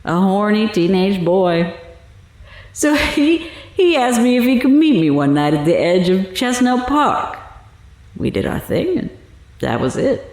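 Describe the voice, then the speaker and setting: An actress playing a sly, menacing older fortune teller accused of murder in an audio drama, taunting and theatrical in a drawl. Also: female voice, medium pitch, very animated, unhurried, darkish tone, roomy sound. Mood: wistful, brazen.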